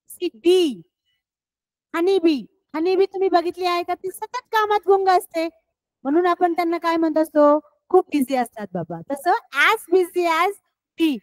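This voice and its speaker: A woman teacher with a Marathi accent explaining English words to children, slowly and deliberately, often repeating her questions to the class. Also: very high voice, no echo, low-quality recording. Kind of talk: scholarship exam English lesson for children.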